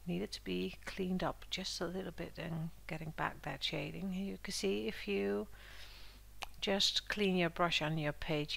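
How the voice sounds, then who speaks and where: Low, gravelly woman under the weather. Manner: chatty and relaxed, with frequent fillers and soft laughs. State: slightly under the weather, squeaky voice. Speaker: art journaling channel host. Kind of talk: casual craft tutorial voice-over.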